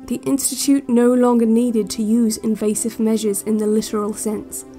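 A woman playing a calm, controlling institute narrator on a relaxation cassette, speaking in a measured and quietly menacing way. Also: on the high side, lightly acted. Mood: calm, veiled menace. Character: soft-spoken, controlling female institute narrator on a relaxation tape. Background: music.

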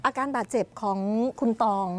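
A woman hosting a TV talk show from Thailand, briskly recapping the news and asking pointed questions. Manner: brisk, leading questions with short acknowledgements.

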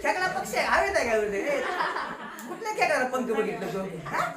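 A woman teacher with a Marathi accent speaks in a high, sing-song voice, a little fast, over heavy background noise. She teases and quizzes her class with call-and-response during a grammar lesson, the echoey room full of children's voices.

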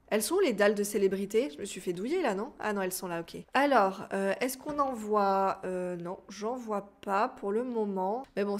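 A young woman casually commenting on her life-sim game, reading its texts aloud and reacting to them. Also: mid-range voice. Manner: chatty, reads game text aloud and reacts. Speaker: gaming YouTuber. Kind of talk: casual let's-play commentary.

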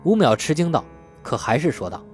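A man's voice: a little high, big pitch swings, brisk, faint music behind. A man narrating an audiobook in a scripted storytelling style. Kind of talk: scripted audiobook narration of an urban crime novel.

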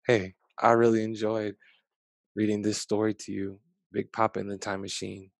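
A man in his forties reading a picture book aloud as its author, with expressive, deliberate phrasing. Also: on the low side, vocal fry, no room sound. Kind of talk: expressive storybook narration. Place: small bedroom at home. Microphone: headset.

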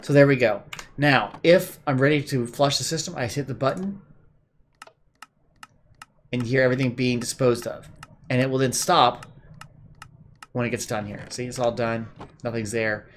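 A man hosting a gameplay video, calmly explaining his build step by step with plenty of "uh"s, while his voice is going a bit hoarse. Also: mid-range voice, moderate pace, pauses often, a little hiss or hum. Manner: relaxed, explaining step by step with many "uh"s. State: losing his voice. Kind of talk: casual building commentary.

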